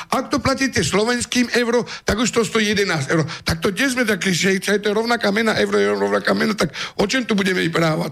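A fairly quick pace with ordinary pitch variation and very even loudness. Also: man, high pitch for a man. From Slovakia, Trnava. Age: 60s. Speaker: pensioner. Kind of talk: studio panel discussion. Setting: studio. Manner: halting.

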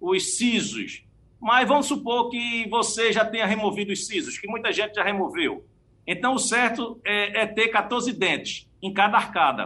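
A man projects a raised voice with a bright, sharp tone at an extremely high pitch and a moderate pace. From Pernambuco, Brazil. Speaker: dentist. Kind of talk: radio interview.

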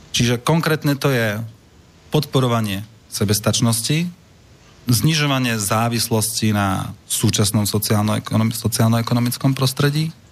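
Using a normal speaking voice, a man talks at a medium pitch and fairly slow pace, with ordinary pitch variation and very even loudness. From Slovakia, Prievidza (central Slovakia). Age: 30s. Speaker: civic activist and IT worker. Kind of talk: radio interview. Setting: radio studio.

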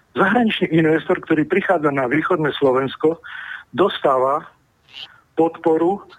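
A man speaks at high pitch. His pace is fairly slow. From eastern Slovakia. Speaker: caller. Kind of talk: phone-in comment.

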